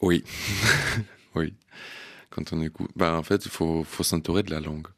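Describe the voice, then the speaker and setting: A man's voice: a bass voice, fairly even intonation, moderate pace, gravelly, no echo, clean studio sound. A man from Ukraine, speaking French as an in a radio interview, hesitant with many fillers and restarts. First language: Russian and Ukrainian. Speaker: interview guest.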